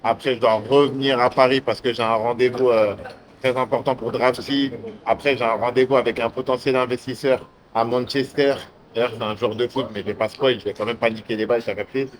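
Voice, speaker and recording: A man's voice: mid-range voice, fairly even intonation, fairly quick. A young man vlogging casually to the camera as he travels, in hyped, slangy street talk. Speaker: entrepreneur vlogger. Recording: noisy traffic and street background.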